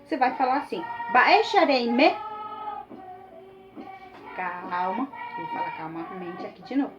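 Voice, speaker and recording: A woman's voice: mid-range voice, expressive, fast. Chatty teacher woman, lo-fi. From Mato Grosso do Sul, Brazil. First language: Guarani. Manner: chatty, many fillers, encouraging. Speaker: Guarani language teacher. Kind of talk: casual online language lesson. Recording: dull lo-fi sound with faint music.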